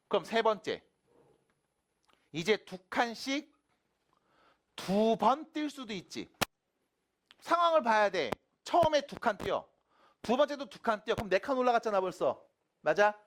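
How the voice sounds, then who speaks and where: A male math teacher explains exam problems in a high-pitched, very lively voice that swings widely. He talks informally in short checking questions. His articulation is slightly thick and slurred, as from a temporary dental filling. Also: unhurried, pauses often.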